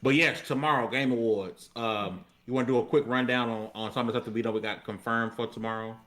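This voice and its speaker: A man's voice: mid-range voice, fairly even intonation, fast talker, a bit bright. A man hosting a gaming live stream in casual, slangy talk with an emphatic manner.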